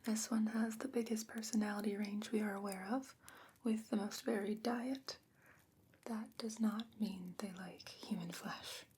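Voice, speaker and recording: A woman playing a gentle, patient fantasy scholar who defends merfolk, speaking in a hushed, measured, explanatory way in a whispered ASMR roleplay. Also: medium pitch, fairly even intonation, husky. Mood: calm, studious.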